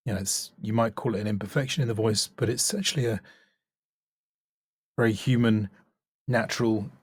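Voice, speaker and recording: A man giving an off-the-cuff spoken critique as a coach, measured and considered. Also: on the low side, dry recording, studio quality. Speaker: voice-over coach.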